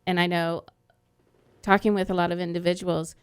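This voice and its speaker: A woman's voice: on the low side, level tone, normal speed, clean tone. A woman hosting a radio interview, chatty as she leads the conversation with her guests. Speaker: radio host.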